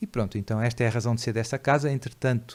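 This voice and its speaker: Medium pitch and ordinary pitch variation in a man's normal speaking voice. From Portugal, Lisbon. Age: 40s. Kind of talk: interview. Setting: his family home.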